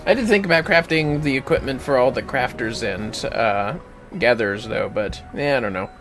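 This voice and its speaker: A male game streamer talks casually to his viewers in a medium-pitched voice. He rambles, mutters to himself and swears freely. Music plays clearly behind him. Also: normal speed, a bit bright. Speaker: livestreamer. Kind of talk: casual gaming livestream chat with viewers.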